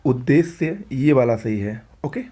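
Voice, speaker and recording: A man teaching an exam-prep spelling lesson, briskly going through words and pointing at what is written on screen. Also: mid-range voice, expressive, mellow, husky.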